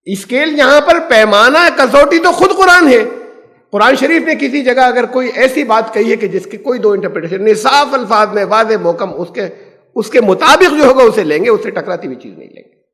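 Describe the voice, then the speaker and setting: Teaching a Quran lesson, this Islamic scholar explains with patience, asks rhetorical questions, and blends English terms into his talk. His extremely high-pitched, slightly bright voice has lively intonation, recorded with the reverb of an echoey hall.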